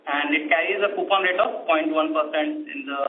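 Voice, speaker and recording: A man, a finance executive giving a careful, halting technical explanation on a call. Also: on the high side. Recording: tinny phone line with faint noise.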